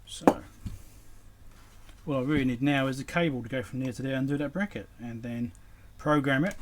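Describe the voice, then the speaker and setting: Working on electronics, a hobbyist video host gives casual, unscripted commentary, muttering to himself in short, broken phrases. His voice is medium in pitch at a normal speed, and the recording is very noisy.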